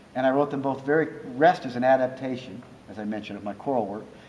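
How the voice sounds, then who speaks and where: A man with an American accent talks very fast at a medium pitch with ordinary pitch variation. Audible room echo surrounds his voice. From US South, Louisiana near New Orleans. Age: 50s. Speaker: composer. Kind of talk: Q&A talk at symposium. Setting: symposium lecture with audience. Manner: conversational, with frequent restarts.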